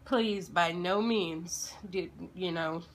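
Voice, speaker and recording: Woman in her 30s, kinda froggy and sick, slow halting storytime talk like shes talking to kids. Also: lowish voice. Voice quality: slightly froggy. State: sick with a lingering illness. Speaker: video blogger telling a personal story. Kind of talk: informal personal storytelling, as if to children.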